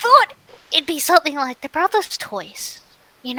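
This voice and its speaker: Squeaky and high-pitched, this put-on character voice moves at a moderate pace. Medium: actual play. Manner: nervous.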